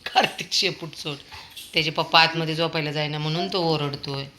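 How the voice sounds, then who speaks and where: A woman's voice: low-pitched, steady tone, brisk, sharp tone. A woman chatting at home, fondly scolding a small child and coaxing a pet dog. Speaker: dog owner filming at home. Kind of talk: casual home video chat. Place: home indoors with a fan. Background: fan noise and a dog.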